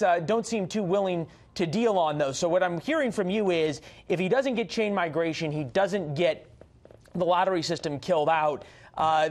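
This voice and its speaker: An American man working as a news anchor, conducting a live political interview. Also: fairly high pitch.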